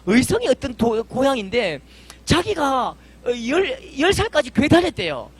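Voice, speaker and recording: A man's voice: very high-pitched, huge pitch swings, a little slow, slightly rough. A middle-aged male pastor, preaching a fervent, emphatic sermon full of vivid stories.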